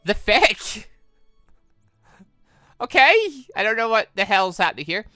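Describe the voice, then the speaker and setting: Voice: mid-range voice, measured pace, no echo, clean studio sound, faint music behind. A gaming video host reading visual novel dialogue aloud and breaking off into offhand commentary. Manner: animated, breaks off into asides and stumbles while reading.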